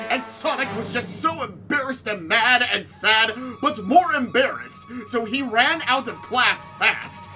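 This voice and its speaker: A young woman reading a silly story aloud in an animated, mock-dramatic way, as a comic co-host. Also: on the high side, rough recording.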